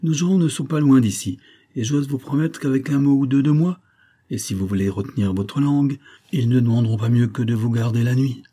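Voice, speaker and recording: A man's voice: medium pitch, fairly quick, warm tone, pitched above the performer's own voice, close to an everyday voice. A man doing a jovial gypsy. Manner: jovial, familiar. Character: easygoing male gypsy on a donkey.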